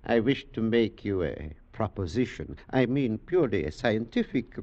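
Older physician, formal and marvelling, low voice, dull vintage radio sound. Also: male voice, lively intonation, a little mellow. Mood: courteous, businesslike. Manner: deliberate, formal, foreign-sounding phrasing. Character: kindly older male doctor, marvelling and formal. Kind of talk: 1940s radio drama acting. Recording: dull old radio recording, music behind.

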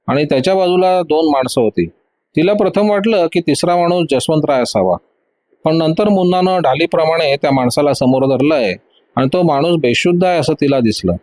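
A man reading a thriller audiobook in a steady, dramatic narration. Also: a little high, normal speed, no echo.

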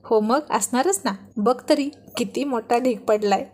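Playful teasing husband, woman reading it, kinda highish voice, bantering. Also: a little slow, a little mellow. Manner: bantering, mock-stern. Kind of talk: storybook reading.

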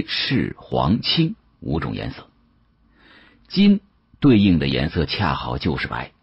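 A man narrating an audiobook in the first person, dramatic, expressive and musing. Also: a bass voice, slightly rough, no room sound, muffled recording.

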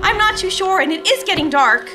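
A woman's voice: very high voice, lively intonation, brisk. A woman acting a young sister in a radio play, pleading and scolding in fright. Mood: mildly annoyed. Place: theatre stage, live reading. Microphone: stand microphone. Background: music.

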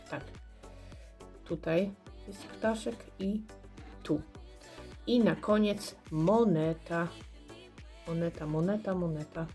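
A hoarse woman calmly commenting while she scratches lottery cards and checks the symbols. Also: on the low side. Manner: slow, murmured checking of symbols. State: hoarse, clearing throat. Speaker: scratch card vlogger.

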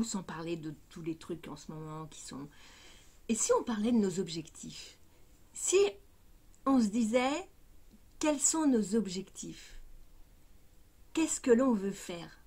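A woman's voice: mid-range voice, lively intonation, slow pace, pauses often, a little mellow. An older retired woman with a Parisian French accent, chatting casually to camera in a hesitant, rambling way that circles back on phrases. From Paris, France. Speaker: vlogger. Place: small furnished room indoors.

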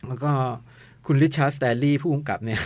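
Male radio co-host, relaxed and rambling, average pitch. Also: fast, dry recording. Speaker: radio film show DJ. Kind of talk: casual radio chat.

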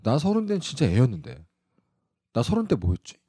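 A man in his thirties hosting a casual interview, bantering in quick, animated bursts. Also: medium pitch, breathy edge, no room sound, clean studio sound. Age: 30s. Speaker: host.

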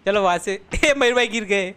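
A man streaming a multiplayer game, laughing a lot, yelling for help and coaching his friends. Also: high-pitched, brisk. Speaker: gaming streamer. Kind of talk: excited multiplayer gameplay commentary.

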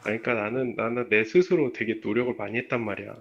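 A man's voice: medium pitch, fairly even intonation, fast, gravelly, breathy edge. A man on a phone call, talking casually and personally in a hesitant, conciliatory way. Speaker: phone caller. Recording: muffled, dull phone call.

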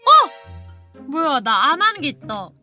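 Female livestream host, cute anime-streamer delivery, very high and animated, casual chat over faint music. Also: slow.

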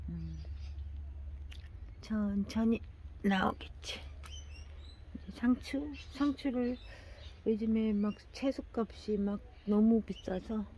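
An older woman talking slowly to herself while tending plants in a casual gardening vlog, often dropping into a half whisper. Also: mid-range voice, mellow, lo-fi sound, slight background noise. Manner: slow, murmuring, often drops to a half whisper. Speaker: gardening vlogger.

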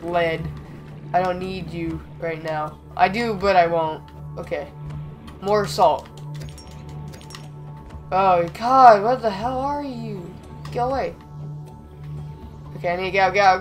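A young man with a slightly raspy voice from being sick, chatting excitedly as he plays and talks back to the game. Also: high voice, a little slow, long pauses, faint music behind. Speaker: gaming channel host. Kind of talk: casual gameplay commentary.

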